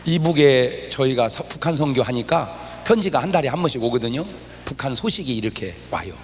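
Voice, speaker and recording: A man pastor preaching a revival sermon, swinging from soft talk to shouting and acting out quoted prayers. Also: mid-range voice, lively intonation, brisk, slight background noise. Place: large church hall with congregation. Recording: church hall reverb, faint ambience.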